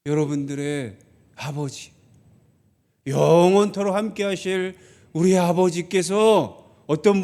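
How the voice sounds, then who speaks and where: A man's voice: sits high, a little mellow. A male pastor preaching a sermon to his congregation, asking rhetorical questions and acting out grumbling children in quoted lines.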